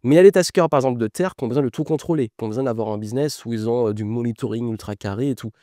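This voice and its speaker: A man's voice: medium pitch, racing, warm tone, dry recording, clean studio sound. A man, an author, casually explaining the ideas in his book to camera, enthusiastic and full of asides.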